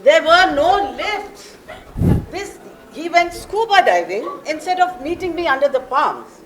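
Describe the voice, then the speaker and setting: A woman's voice: high-pitched, very animated, measured pace, a bit bright, full character voice, poor audio. A woman in a staged comic play reading, playing a prickly jilted office worker who tries to keep order, exasperated and emphatic. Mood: wistful, hurt. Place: live stage at a literature festival.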